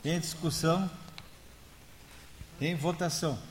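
A man's voice: a little high, fairly even intonation, slow pace. A man with a Brazilian accent chairing a council session, announcing votes in brief, firm phrases. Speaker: council president. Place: council chamber. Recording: echoey chamber audio.

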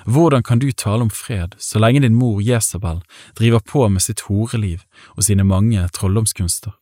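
Guy reading a stern old-time warrior king, blunt and bossy, lowish voice, dry sound. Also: dark tone, no room sound, lightly acted.

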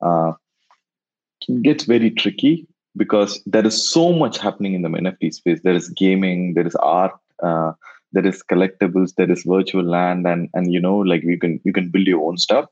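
A man whose first language is Tamil, answering interview questions in a halting way and often repeating words as he thinks. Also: low voice, darkish tone. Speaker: guest, NFT investor. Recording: dull lo-fi sound.

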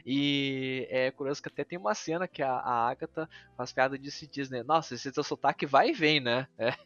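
A man's voice: medium pitch, brisk, a bit bright. A Brazilian man chatting casually on a podcast, often repeating words as he searches for his phrasing. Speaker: podcast co-host. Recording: dull lo-fi audio, music behind. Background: background music.

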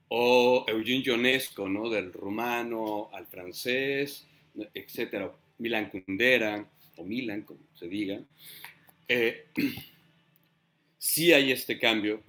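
A man, a writer on a panel, speaking in a reflective, halting way, often repeating words and clearing his throat. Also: mid-range voice, fairly bright tone.

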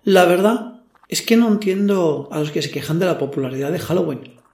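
A man's voice: fairly high pitch, lively intonation, moderate pace, a little mellow. A man playing a wry, conversational narrator in a scripted audio story, recorded with a roomy echo. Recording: roomy, echoing sound.

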